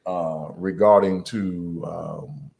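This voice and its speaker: A man's voice: deep voice, fairly even intonation, extremely slow, gravelly, a little mellow. A man co-hosting a podcast in casual chat, easygoing, laughing often and repeating his phrases. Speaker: podcast co-host.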